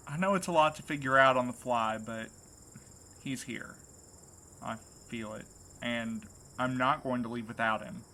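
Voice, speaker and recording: Audio drama lead, male actor: earnest, driven man with worry underneath, crisp bright edge, mid pitch. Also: a little slow. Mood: determined, tense. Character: determined, anxious young man set on rescuing his friend. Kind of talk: naturalistic audio drama acting.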